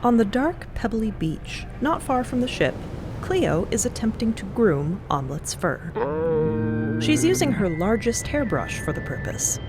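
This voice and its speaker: A woman's voice: mid-range voice, very animated, measured pace, background noise. A woman delivering scripted narration for an audio drama podcast.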